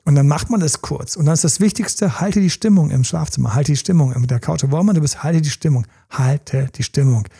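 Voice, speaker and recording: A man's voice: fairly high pitch, a little fast, creaky, hardly any pauses, breathy edge. A man speaking as a sex coach in a conversational advice talk, emphatic and repetitive, often acting out quoted dialogue. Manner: emphatic, repeats key phrases; acts out quoted dialogue in lively voices.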